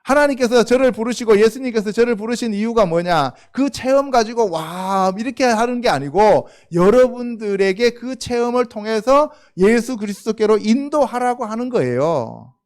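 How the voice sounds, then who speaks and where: A man's voice: very high-pitched, animated, moderate pace, hardly any pauses, darkish tone. A middle-aged male pastor preaching a sermon, often asking the congregation questions and then answering them himself. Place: church.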